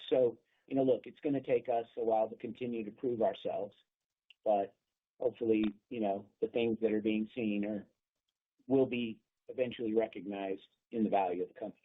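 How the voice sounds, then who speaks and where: A man speaking as a company executive, giving unscripted answers on an earnings call in a halting way, repeating words as he goes. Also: fairly low pitch, husky. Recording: thin phone-line conference call.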